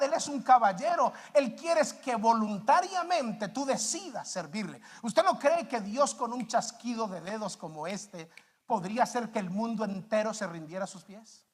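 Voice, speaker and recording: Man, pastor, husky voice, high-pitched, animated sermon, acts out quoted voices.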